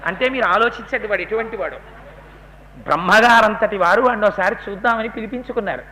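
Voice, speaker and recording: High bright-voiced male storyteller. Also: fast talker. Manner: storytelling, acting out characters' speech with rising intensity. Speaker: religious discourse speaker. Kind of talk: devotional epic discourse.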